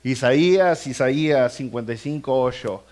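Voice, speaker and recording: A man preaching a sermon as pastor in a church. He talks to the congregation directly and acts out scenes with animated voices. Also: mid-range voice, normal speed. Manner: conversational, addresses the congregation directly. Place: church sanctuary.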